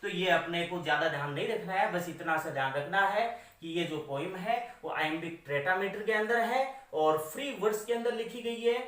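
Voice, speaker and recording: A man's voice: high voice, moderate pace, few pauses, a bit bright, distant mic. A male teacher giving a lecture on poetry. He keeps asking himself questions and answering them, repeats each point, and fills his sentences with "that is to say". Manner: says "that is to say" after nearly every phrase. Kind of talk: classroom lecture explaining poetry. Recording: echoey room, voice away from the mic.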